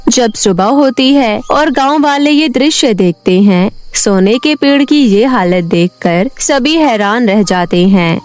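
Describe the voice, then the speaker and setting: A woman's voice: on the high side, expressive, a little slow, hardly any pauses, darkish tone, soft background music. A woman reading scripted narration for a children's moral story, as the storyteller.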